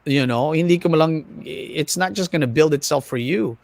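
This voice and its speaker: A man with an American accent speaks in a fairly high voice with very little room sound. He chats casually and with animation, as if on a livestream. He pokes fun at himself and halts a little when he switches languages. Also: creaky, no echo. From United States, of Filipino family. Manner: animated, self-deprecating, halting when switching into Tagalog. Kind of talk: casual livestream chat mixing English and Tagalog. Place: online video livestream.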